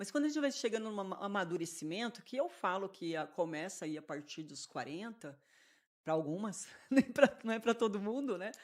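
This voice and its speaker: Speaking at a moderate pace, a woman uses a medium pitch with very wide pitch swings and big swings in loudness. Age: 40s. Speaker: podcast host. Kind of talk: casual chat.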